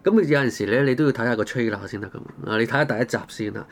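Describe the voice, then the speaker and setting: A man's voice: medium pitch, very fast, slight background noise. A man with a Hong Kong Cantonese accent hosting a casual discussion, talking colloquially through rhetorical questions and everyday examples. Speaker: talk show host.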